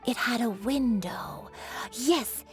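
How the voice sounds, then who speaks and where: A woman playing a gentle, forgetful elderly grandmother in a video game, reminiscing in a halting, wistful way. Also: on the high side, faint music behind. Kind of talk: video game character acting.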